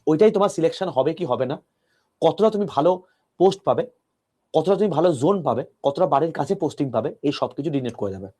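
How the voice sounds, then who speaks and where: A male physics teacher speaks quietly and close to the mic, his voice mellow and a little higher than most men's. He walks students through each idea with patient questions. The delivery is soft and steady, like an online class lecture. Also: fast. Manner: talks softly to a close mic, explaining step by step with rhetorical questions.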